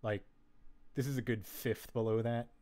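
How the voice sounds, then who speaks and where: A man's voice: medium pitch, steady tone, moderate pace, warm tone. A man hosting a casual live-stream tutorial, rambling and correcting himself with lots of "um" and "like", with jokey asides. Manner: laid-back, jokey asides. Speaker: live-stream host teaching vocal synth tuning. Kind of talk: casual technical walkthrough.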